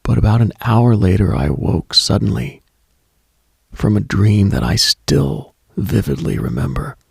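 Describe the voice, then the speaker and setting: This late-night radio host speaks in a fairly low, gravelly, husky hush, reading a deliberate, brooding scripted monologue. The audio is clean studio sound with no audible room.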